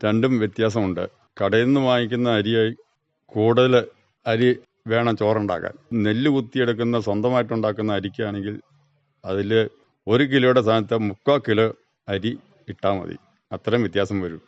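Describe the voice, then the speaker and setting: A man from Kerala with a local accent and a fairly low voice answers interview questions as a farmer. He keeps his replies short and factual. The recording is dry and somewhat muffled. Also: steady tone, brisk, clear, resonant tone, dry recording. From Kerala, India. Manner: brief, plain, matter-of-fact answers. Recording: dull, band-limited dry radio recording.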